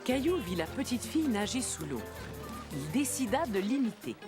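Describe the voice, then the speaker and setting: A woman giving scripted storybook narration for a cartoon, in an even storytelling way. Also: on the high side, normal speed, over loud music.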